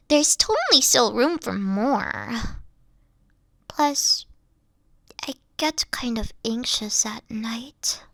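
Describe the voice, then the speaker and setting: A woman playing a dorky, boastful evil queen in a comedic, intimate roleplay monologue, theatrical and petulant but awkward and secretly soft. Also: on the high side, dry recording, clean studio sound, heavily acted. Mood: bashful. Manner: theatrical boasting that slips into awkward, flustered stammering.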